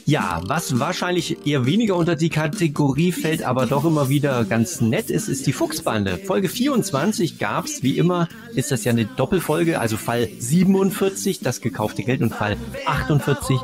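A man's voice: a little high, lively intonation, moderate pace, hardly any pauses, music in the background. A man hosting a podcast, giving a casual, chatty review in a colloquial, jokey way. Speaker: podcast host reviewing audio dramas.

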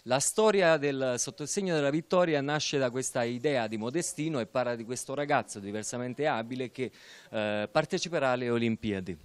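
Hesitant man, mid-pitched. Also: a little fast, smooth, dry recording. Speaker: guest, actor and assistant director. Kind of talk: casual interview talk. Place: shopping centre walkway. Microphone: handheld microphone held out by host.

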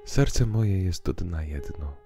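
Male reader as composed, resolute woman in literary audio drama, solemn, dark-toned and creaky. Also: low voice, slow pace, faint music behind, heavily acted. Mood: calm, resolute. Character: quietly steely, proud woman with calm words.

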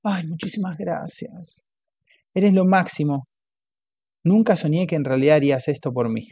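A man's voice: on the high side, moderate pace, warm tone, slightly rough, no room sound, pitched above the performer's own voice. A man voicing a young man who gushes with thanks while manipulating, in a dull, dry audiobook recording. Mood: gushing. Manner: gushing, then smug.

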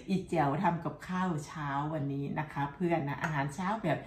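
A woman's voice: deep voice, fairly even intonation, a little fast, roomy sound, slight background noise. A middle-aged woman from Thailand, chatting and laughing while cooking breakfast at home for her vlog. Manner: chatty and laughing, constant polite tag words. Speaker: cooking vlogger. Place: home kitchen, indoors.

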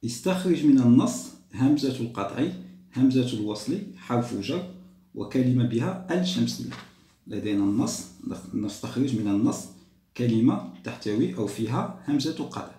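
A man, teaching a grammar lesson to young children patiently, repeating and drawing out words slowly. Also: mid-range voice, animated, mellow. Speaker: primary school teacher. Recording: roomy echo.

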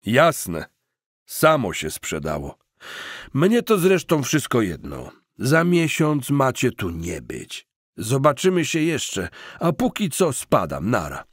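A man's voice: huge pitch swings, takes it slowly, breathy edge, no echo, studio quality, full character voice. A man voicing a hulking, crude thug of a debt collector in an audiobook, curt, slangy and threatening. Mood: dismissive threat. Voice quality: booming.

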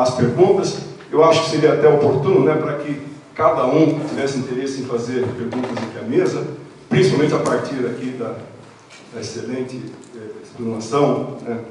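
An older man with a Brazilian accent moderating a seminar panel, speaking formally and haltingly as he searches for words. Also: medium pitch, darkish tone. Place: large indoor auditorium at panel table. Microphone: handheld microphone through hall, far camera. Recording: echoey auditorium, distant mic, faint noise.

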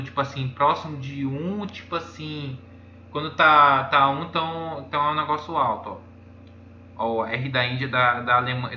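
A man with a Brazilian accent chatting casually while walking through charts on screen, rambling and pointing things out over and over. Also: medium pitch. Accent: Brazilian Portuguese. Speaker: YouTuber. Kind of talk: casual screen-share commentary. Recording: echoey room, dull lo-fi sound, faint noise.

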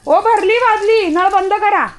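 A woman vlogging about her dog in casual chat, often shooing and calling out loudly. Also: very high voice, unhurried. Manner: scolding and shooing the dog, loud calls. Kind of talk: casual pet vlog.

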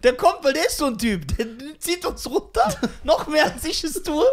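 A man's voice: very high-pitched, lively intonation, moderate pace. A man hosting a podcast in a small studio, teasing his guest in a mock-dramatic, casual way. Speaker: podcast host. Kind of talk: casual chat. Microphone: desk mic with headphones.

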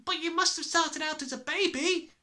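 A man's voice: very high voice, steady tone, normal speed, sharp tone, pitched above the performer's own voice, heavily acted. A man voicing a brave but nervous little schoolboy from a storybook, earnest and easily flustered. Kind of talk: storybook character reading.

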